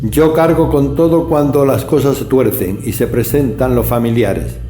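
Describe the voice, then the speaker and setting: A man plays an old college servant in an audio horror drama. The voice is dark and mellow, deferential and hesitant, with fussy concern. It sits in a roomy echo over faint music. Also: medium pitch, normal speed, natural voice. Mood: deferential worry.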